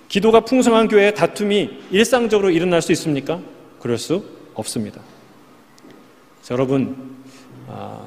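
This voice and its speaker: A man's voice: on the high side, a little mellow. A male pastor preaching a Sunday sermon, talking conversationally and putting rhetorical questions to his congregation. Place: church sanctuary. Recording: reverberant church hall.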